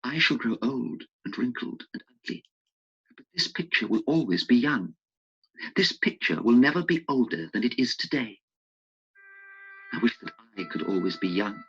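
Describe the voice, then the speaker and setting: A man's voice: mid-range voice, very animated, moderate pace, fairly bright tone, slightly rough, voice pushed up, exaggerated voice. A man reading an audiobook voices a vain, anguished young man with a raised, pleading voice. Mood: wistful. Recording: dull lo-fi recording.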